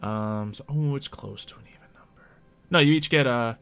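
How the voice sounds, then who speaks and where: A man's voice: mid-range voice, normal speed, a bit bright, clear, resonant tone. A man chatting casually as he runs a tabletop roleplay game as game master.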